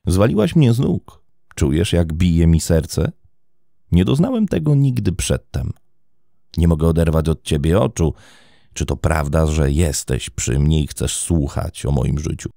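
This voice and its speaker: A man reading the lines of a flattering fifty-five-year-old suitor, ingratiating and smooth. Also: rumbling low, unhurried, no room sound, studio quality, full character voice. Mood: tender.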